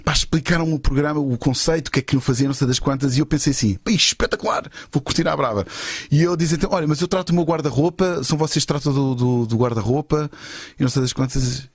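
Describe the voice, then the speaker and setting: Slangy man, husky voice, dry recording. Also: mid-range voice, quick pace, no echo. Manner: slangy, animated storyteller who acts out dialogue. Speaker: guest, voice actor. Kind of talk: casual chat, anecdotes.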